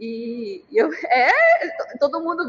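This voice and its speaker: In a Minas Gerais accent, a woman speaks at a high pitch. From Minas Gerais, Brazil. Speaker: lay preacher. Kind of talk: sermon with testimony. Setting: church. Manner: animated.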